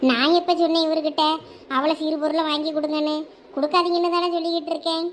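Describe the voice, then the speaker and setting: Actor as shrill, short-tempered Tamil village wife. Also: female voice, little pitch movement, quick pace, very noisy, close to an everyday voice. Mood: exasperated. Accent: Thoothukudi Tamil. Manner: scolding, complaining. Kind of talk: dialect cartoon family comedy dialogue.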